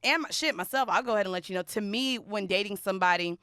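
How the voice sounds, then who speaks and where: A woman's voice: medium pitch, quick pace, fairly bright tone, clear, resonant tone, dry recording, clean studio sound. A young woman co-hosting a casual podcast, blunt and slangy, swearing freely as she chats. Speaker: podcast co-host. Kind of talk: casual, unfiltered chat. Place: podcast studio.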